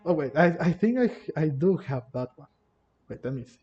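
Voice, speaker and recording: A man with a Hispanic Spanish accent gives casual game commentary, speaking in a halting way and often rephrasing himself. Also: on the high side, lively intonation. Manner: halting, repeats and rephrases himself, switches languages. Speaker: gameplay commentator. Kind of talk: casual game commentary explaining story dialogue. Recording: dull lo-fi mic over game music. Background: game music.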